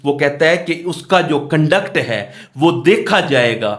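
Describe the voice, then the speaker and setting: Male lecturer, South Asian accent, fairly high voice, very slow delivery, explanatory, repetitive, reads clauses then explains. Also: expressive, fairly bright tone. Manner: explanatory, repetitive, asks and answers own questions. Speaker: law lecturer. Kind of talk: exam lecture, reading statute in English and explaining it.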